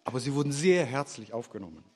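A man preaching a sermon, telling stories in an animated way and asking rhetorical questions. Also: mid-range voice, fast, husky.

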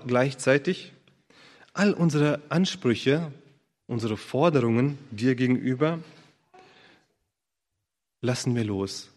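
Earnest preacher in a reverberant hall. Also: male voice, medium pitch, darkish tone. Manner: earnest, searching, with fillers and restarts. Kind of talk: sermon.

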